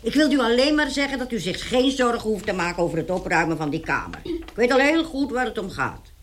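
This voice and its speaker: A woman's voice: on the high side, big pitch swings, fairly quick, a little hiss or hum. A woman in a radio play playing a brash, nosy charwoman with a chatty, colloquial, fearless manner. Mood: servile, chatty.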